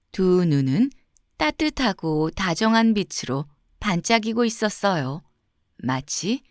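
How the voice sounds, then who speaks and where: A woman narrating a scripted fairy tale for children in a gentle, expressive storytelling manner with clear phrasing. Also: medium pitch, no echo, studio quality.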